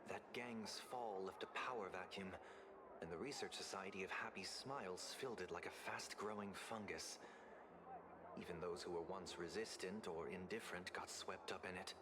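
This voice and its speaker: A man voicing a solemn, courteous game character with polite, measured, articulate speech. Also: sits low, lightly acted. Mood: composed, solemn. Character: composed, courteous, solemn man who senses minds. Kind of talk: video game voice acting. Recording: clear background noise and ambience.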